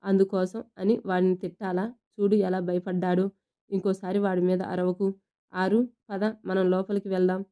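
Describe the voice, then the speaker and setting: A woman's voice: mid-range voice, little pitch movement, moderate pace, mellow, clear, resonant tone, natural voice. A woman voicing a caring young mother who is a doctor, reading her lines firmly and evenly in a storybook. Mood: scolding.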